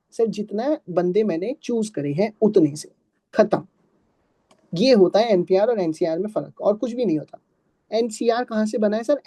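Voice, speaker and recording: A male teacher lecturing a class on math, his voice mellow and warm in tone. He keeps posing questions and answering them himself, joking with his students. The sound is dry and close. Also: sits high, dry recording.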